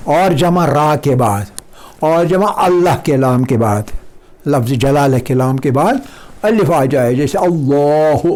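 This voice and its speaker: A middle-aged man with an Urdu accent teaching Quran recitation, repeating each word slowly and stretching its sounds for his students. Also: on the high side, darkish tone. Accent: South Asian Urdu. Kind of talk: slow recitation lesson with drilled repetitions.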